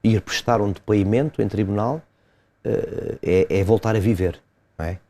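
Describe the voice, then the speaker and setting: Man, lawyer, interview guest, low voice, warm dark tone, measured and hesitant explanations. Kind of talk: explanatory legal commentary in an interview.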